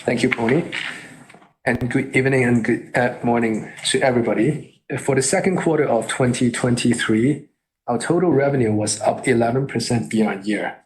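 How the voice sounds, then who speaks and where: A man reading a scripted earnings call presentation as a company executive, in a formal and measured way. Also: medium pitch, rough recording.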